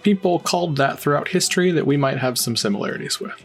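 A player answering in character during a tabletop role-play, measured and guarded. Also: mid-range voice, faint music behind.

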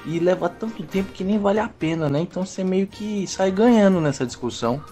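A man's voice: high-pitched, lively intonation, a little fast, warm tone, soft background music. A man in a voice message making a wry remark about the argument. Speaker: listener sending a voice message.

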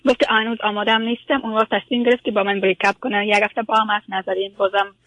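A woman's voice: mid-range voice, fairly even intonation, a bit bright, low-quality recording. A woman from Afghanistan, calling a radio advice show and speaking hesitantly with many fillers and English words mixed in. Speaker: caller.

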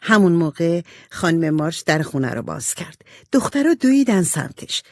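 A woman narrating an audiobook in an expressive storytelling manner. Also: on the low side, no room sound.

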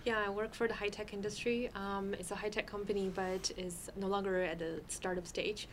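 A woman from northeastern China introducing herself on a panel, measured and matter-of-fact. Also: medium pitch, little pitch movement, a little hiss or hum. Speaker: panel guest.

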